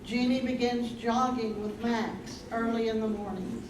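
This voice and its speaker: A woman playing a plain, measured storyteller, narrating a scripted drama in a staged reading. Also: on the high side, steady tone, a crowd in the background, close to an everyday voice. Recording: echoey distant stage recording, clear noise.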